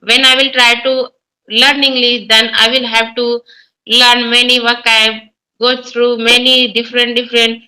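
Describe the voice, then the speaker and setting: Indian-accented woman teacher, native Hindi speaker, high voice, hesitant and chatty. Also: little pitch movement, unhurried, bright, forceful tone, low-quality recording. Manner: hesitant, many fillers and restarts. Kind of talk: casual conversation practice.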